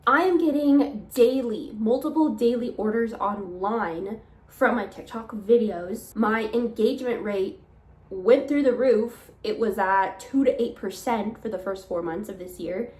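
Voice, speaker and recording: Young woman, small business owner, chatty and rambling, slightly nasal, higher voice, roomy echo. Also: measured pace, darkish tone. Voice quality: chatty, rambling, laughs between phrases. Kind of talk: casual vlog chat. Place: home.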